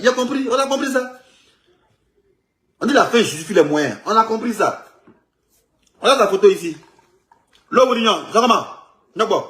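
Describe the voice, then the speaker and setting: A man, commenting on politics in an animated, rambling way, with many repetitions and stumbling restarts. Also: fairly high pitch. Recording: echoey room.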